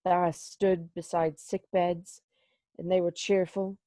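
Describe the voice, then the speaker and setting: A woman's voice: fairly low pitch, flat delivery, a little slow, mellow, dry recording, faint music behind, close to an everyday voice. A woman playing a humbled, pleading old miser with an earnest, old-fashioned formal manner, in a storybook reading. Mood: reflective. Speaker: amateur reader, library staff. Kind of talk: dramatic reading of a classic story.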